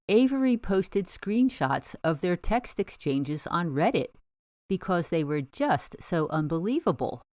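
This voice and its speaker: A woman host giving scripted narration of a true story in a measured storytelling delivery. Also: lowish voice, no room sound, clean studio sound.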